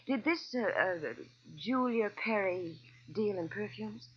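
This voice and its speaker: A woman's voice: medium pitch, expressive, takes it slowly, slight background noise. An actress playing a classy, evasive, coy married woman in a 1940s radio detective drama. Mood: hurriedly helpful. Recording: dull old radio recording.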